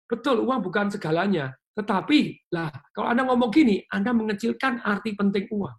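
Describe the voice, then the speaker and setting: High-voiced energetic male motivational speaker. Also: a little fast. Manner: energetic, playful, addresses audience directly. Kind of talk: motivational webinar talk. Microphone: webinar mic.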